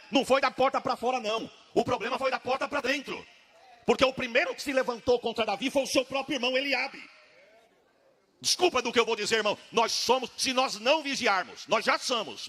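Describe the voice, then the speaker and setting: A man preaching a sermon in a high, bright, forceful voice. He is earnest and rebuking and rises to shouts at the peaks. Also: breathy edge. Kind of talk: sermon exhortation.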